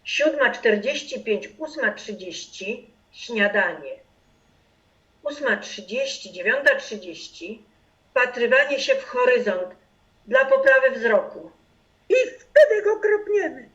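Woman playing eager radio-drama plotter, higher female voice, methodical, slow, dull home recording. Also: very animated, a bit bright, exaggerated voice. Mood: gleeful. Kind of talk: amateur radio play acting. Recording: slightly muffled home recording.

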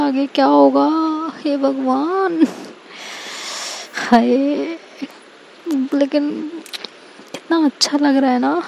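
A woman's voice: high-pitched, gravelly, warm tone, a little hiss or hum, full character voice, rough recording. A woman voicing a flustered, lovestruck young woman who sighs over her feelings. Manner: flustered, sighing.

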